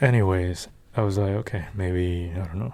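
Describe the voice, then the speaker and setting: A soft-spoken man with a non-native accent talks with ordinary pitch variation. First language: not English. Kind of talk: ASMR storytime. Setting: some background noise.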